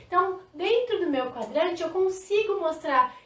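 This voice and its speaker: Mulher brasileira de voz aguda, ensinando em live. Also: female voice, very high voice, normal speed, echoey room, recorded from a distance. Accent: Brazilian Portuguese. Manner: lively, demonstrative, talks to viewers directly. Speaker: sign language teacher. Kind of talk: live online lesson. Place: indoor room, live stream.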